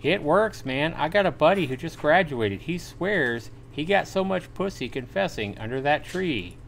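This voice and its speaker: A man voicing a cocky, crude teenage high school boy from a visual novel, teasing his friend, with noise behind him. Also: lively intonation, normal speed, creaky, a bit bright. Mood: cocky, insistent. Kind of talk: acted visual novel dialogue.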